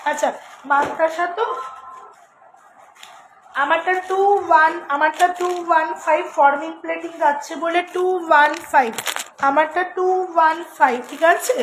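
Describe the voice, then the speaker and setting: A woman selling jewelry on a live stream, in a flat, husky voice, chatting with viewers and repeating prices over and over. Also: extremely high pitch, normal speed, noisy background. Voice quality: flat, husky voice, always so since childhood. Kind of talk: casual live-sale patter.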